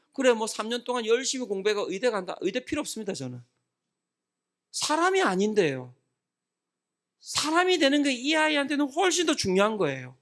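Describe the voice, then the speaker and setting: A man's voice: extremely high pitch, a bit bright. A middle-aged male pastor preaching a prayer-meeting sermon, asking the congregation questions and answering them himself. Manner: acts out scolding parents and children.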